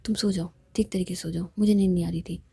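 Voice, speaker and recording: As a woman storyteller puts her on, this proud young woman speaks in a hushed, breathy half-whisper, sharp when annoyed. The tone is dark and mellow, and the recording is dry and close. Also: lowish voice, steady tone, quick pace, no echo, full character voice. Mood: sulky.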